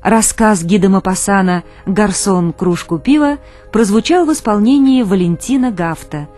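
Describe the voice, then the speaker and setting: A woman's voice: medium pitch, moderate pace, mellow. A woman announcer reading a scripted credit for a radio broadcast. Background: music.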